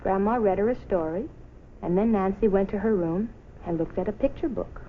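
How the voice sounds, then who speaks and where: A woman narrates a children's story with expression, in a medium-pitched voice. The sound is that of an old film track, dull and a little noisy. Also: moderate pace.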